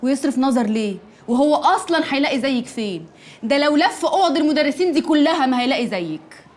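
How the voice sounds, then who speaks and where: High, quick, teasing work friend, faint score under. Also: female voice, lively intonation, a little mellow. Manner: teasing, nosy. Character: teasing woman teacher friend. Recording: TV drama with faint music.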